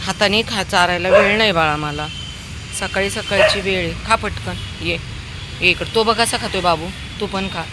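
A woman vlogging on a city street, talking casually to viewers and coaxing street dogs with loud, high calls. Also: normal speed. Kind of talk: casual vlog talk. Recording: noisy outdoor street recording.

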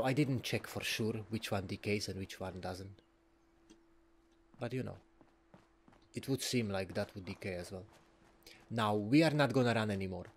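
A man's voice: on the low side, slight background noise. A man giving casual, rambling commentary while playing a video game, often chuckling. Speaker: let's play gamer.

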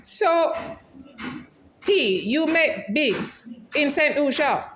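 Lady vlogger quizzing folks in a restaurant, kinda high voice, playful. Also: very slow, slight background noise. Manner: chatty, teasing, animated questions. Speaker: vlogger interviewing restaurant team. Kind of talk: casual on-camera interview. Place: restaurant seating area, indoors.

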